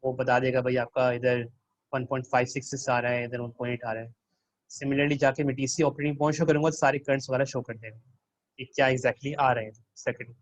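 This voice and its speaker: A man's voice: mid-range voice, little pitch movement, brisk, no echo. Guy ta explaining circuit sims to students, asks them questions, kinda muffled lo-fi audio. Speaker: teaching assistant. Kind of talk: online tutorial walking through a circuit simulation.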